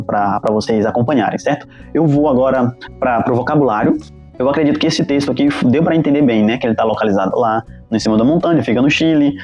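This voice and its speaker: A man from Brazil teaches vocabulary in a relaxed, chatty way. He says every word again and again, with frequent restarts and fillers. Faint guitar music plays softly underneath. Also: mid-range voice. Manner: repeats each word several times, restarts often. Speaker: language teacher. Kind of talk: casual spoken language lesson.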